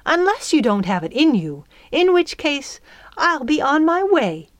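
An imperious old fairy from a storybook, acted out by a woman narrator. She is irritable and brusque, snapping out her words in a raised, high pitch. The sound is close and dry. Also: big pitch swings, moderate pace, dry recording. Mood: angry.

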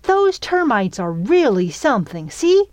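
A woman's voice: fairly high pitch, big pitch swings, a little slow, darkish tone, no room sound, voice pushed up. A woman voicing an eager young girl who speaks in a gushing, over-enthusiastic manner in a story. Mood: excited.

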